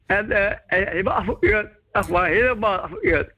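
An older man calling in to a radio show, speaking halting, broken Dutch as a non-native and repeating words as he searches for them. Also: high-pitched, big pitch swings, sharp tone, slightly rough, dull audio. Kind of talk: phone-in chat with the host.

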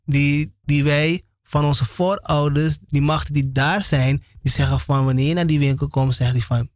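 A man's voice: on the high side, steady tone, moderate pace, no room sound, studio quality. Stammering man on Christian radio. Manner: stammering, repeating words.

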